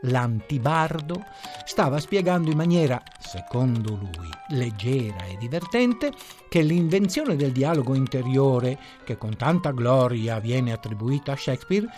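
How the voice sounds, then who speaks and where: A man with a mid-range voice reads a short story aloud. His delivery is measured and quietly ironic, and faint music plays underneath. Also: medium pitch, animated. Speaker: narrator. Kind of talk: storytelling narration.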